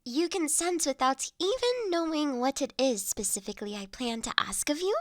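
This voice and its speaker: A woman playing a polite, gentle human lady in an intimate audio roleplay, speaking formally and courteously with soft hesitations. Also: sits high, expressive, no echo, studio quality. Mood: earnest, gently teasing. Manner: courteous, formal wording, softly hesitant with pauses.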